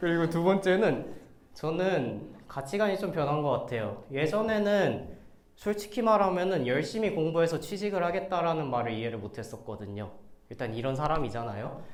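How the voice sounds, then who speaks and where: The speaker talks at a moderate pace with very wide pitch swings, amid noticeable background noise and audible room echo. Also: man, fairly high pitch for a man. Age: 20s. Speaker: student speaker. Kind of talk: lecture. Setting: stage with audience. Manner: casual, conversational.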